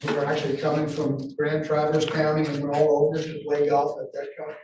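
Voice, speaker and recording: A man with a New England accent speaks in a county meeting room, his voice slightly high and flat in tone. He picks his way through his points with fillers and restarts. The sound is thin and dull, heard from a distance in a very echoey room with a faint hiss. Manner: halting, many restarts and fillers. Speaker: board member. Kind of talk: public meeting discussion.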